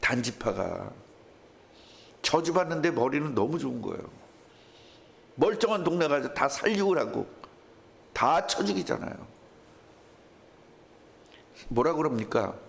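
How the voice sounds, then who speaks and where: A man's voice: on the high side, unhurried, creaky, pauses often. A male pastor preaching a sermon, telling stories and acting out the voices of the people in them. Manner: animated storytelling with acted quotes.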